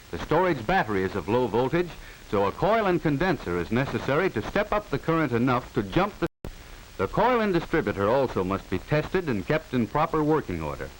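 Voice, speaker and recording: A man's voice: mid-range voice, poor audio. An American man reading scripted 1940s educational film narration in a formal, instructive manner, on an old film soundtrack. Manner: formal, instructive, clearly enunciated. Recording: hissy 1940 film soundtrack. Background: steady hiss.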